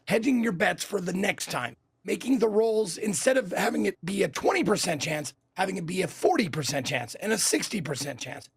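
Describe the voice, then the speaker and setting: A man co-hosting a casual gaming podcast, his voice raspy and hoarse from a bad voice day, talking in an animated way and giving advice. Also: high voice, no echo. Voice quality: raspy, strained voice. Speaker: podcast co-host.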